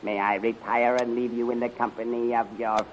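An actor playing an obsequious, nervous palace official in a 1930s radio drama style. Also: male voice, mid-range voice, little pitch movement, fairly quick, close to an everyday voice. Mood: deferential. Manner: fawning, hesitant, pleading. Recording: muffled, hissy 1930s radio recording.

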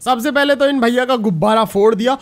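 A young man narrating his own gameplay in a chatty, excited voice-over, talking straight to his viewers. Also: very high voice, quick pace, slight background noise. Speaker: gaming YouTuber.

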